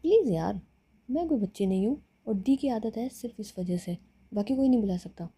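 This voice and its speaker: A woman voicing a stubborn young woman who gently protests to her lover, speaking softly. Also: a little high, lively intonation, brisk, breathy edge. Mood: protesting.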